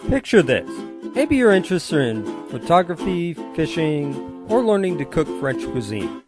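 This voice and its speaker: Animated male commercial voice-over. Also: on the high side, measured pace, loud music behind the voice. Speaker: voice-over artist. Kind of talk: scripted commercial narration, demo reel.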